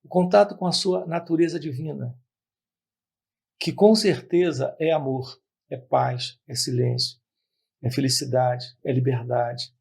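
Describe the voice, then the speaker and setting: Male spiritual teacher, gravelly and husky, slightly high, measured teaching talk to camera. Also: steady tone, darkish tone. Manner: measured, repetitive phrasing with pauses.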